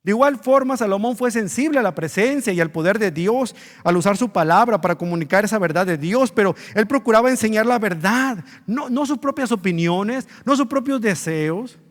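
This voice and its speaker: A man's voice: sits high, lively intonation, moderate pace, hardly any pauses, long reverb tail. A man preaching a sermon as pastor, earnest, pressing his key words with rising emphasis, speaking to his congregation in a church.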